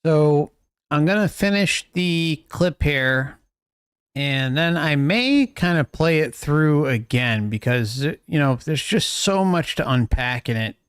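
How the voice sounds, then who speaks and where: A man's voice: a little high, animated, slow pace, smooth, no echo, clean studio sound. A man hosting a livestream with casual, unscripted commentary, earnest and questioning in manner. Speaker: host of an online livestream.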